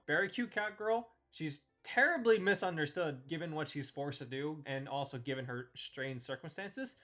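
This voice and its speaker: A man's voice: on the high side, pushed and bright. A man hosting a casual, opinionated ranking video, talking in an informal, slangy, conversational way. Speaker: video host reviewing visual novel characters. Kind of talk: casual opinionated tier-list commentary.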